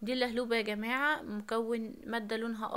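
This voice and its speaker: At a moderate pace, a woman speaks in a normal speaking voice, fairly high in pitch, with fairly even intonation. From Upper Egypt, Minya; Egypt. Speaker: home routine vlogger. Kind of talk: voiceover vlog narration; casual vlog chat. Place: home room. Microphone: phone near.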